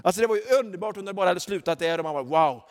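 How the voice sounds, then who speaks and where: A man preaching a sermon, telling personal stories and rising to fervent, loud exhortation. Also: sits high, long reverb tail.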